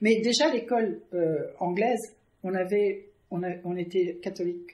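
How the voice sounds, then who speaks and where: A woman at a fairly slow pace, medium in pitch, with ordinary pitch variation. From Canada (English-speaking), then France from childhood. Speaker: artist. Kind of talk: interview, life story. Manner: hesitant, many fillers.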